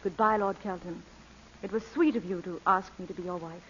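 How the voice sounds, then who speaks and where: An actress playing a witty, charming jewel thief in an old radio drama, speaking with genteel, teasing mock innocence. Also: female voice, on the low side, fairly even intonation, fairly quick, a bit bright, a little hiss or hum, natural voice. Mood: mock-sweet. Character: poised, witty, charming woman jewel thief, coolly unrepentant. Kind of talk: 1940s radio drama acting. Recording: dull lo-fi old radio recording.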